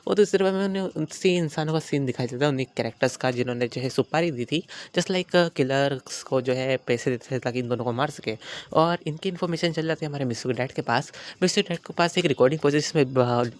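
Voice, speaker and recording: A man's voice: mid-range voice, quick pace. A man casually retelling an anime fan story in a chatty way, full of fillers and self-corrections.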